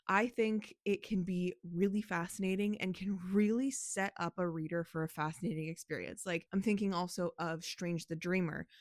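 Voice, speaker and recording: A woman vlogging about books and her writing in a casual, animated way, laughing and swearing often, her voice a little hoarse. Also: medium pitch, dry recording, studio quality. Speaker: book vlogger and author. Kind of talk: casual chatty vlog.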